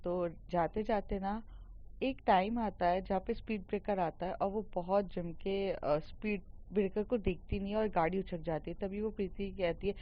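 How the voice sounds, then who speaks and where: A woman's voice: mid-range voice, fairly even intonation, normal speed. Woman telling a story, dull lo-fi sound. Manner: chatty, with fillers and English words mixed in. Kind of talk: casual spoken storytelling. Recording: dull lo-fi recording.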